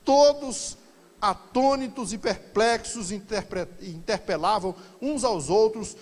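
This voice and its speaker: A man's voice: high-pitched, takes it slowly. Preaching man in a reverberant church. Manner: animated preaching that swings from quiet asides to loud exclamations. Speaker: pastor. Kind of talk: Bible study sermon to a congregation.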